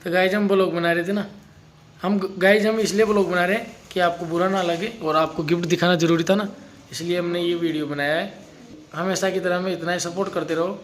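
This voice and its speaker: A man's voice: high-pitched, fairly even intonation, a little fast, a little hiss or hum. A man hosting a casual family vlog, comforting his partner in a coaxing way and talking to viewers. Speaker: vlogger host.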